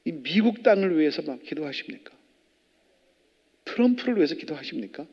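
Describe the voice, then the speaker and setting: Male pastor, animated sermon delivery, quizzes the congregation, somewhat high voice, long church reverb. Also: brisk, gravelly, breathy edge, lo-fi sound. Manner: animated, fires rhetorical questions at the congregation. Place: church sanctuary.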